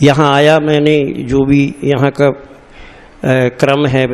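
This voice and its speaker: Flat and monotone in intonation, a man speaks at a fairly high pitch. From Madhya Pradesh, India (Pipariya, Hoshangabad). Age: 60s. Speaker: teacher, diet camp participant. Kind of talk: testimony. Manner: halting.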